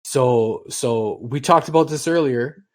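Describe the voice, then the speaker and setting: A man's voice: mid-range voice, measured pace. A man in his forties hosting a casual podcast chat, rambling through long stories at an easygoing clip. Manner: rambling storyteller. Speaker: podcast host.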